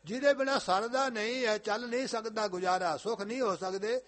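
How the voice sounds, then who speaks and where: Male katha preacher, high-pitched, emphatic and repetitive, chants scripture. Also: a little fast, a bit bright. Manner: emphatic, repeating lines with rising force. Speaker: Sikh preacher.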